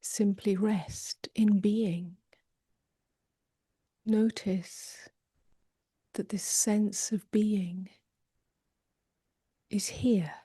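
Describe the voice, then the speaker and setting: A woman meditation teacher leading a guided meditation softly and gently, often drifting toward a whisper, with long pauses. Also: medium pitch, steady tone, dry recording, clean studio sound. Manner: soft, breathy delivery drifting toward a whisper.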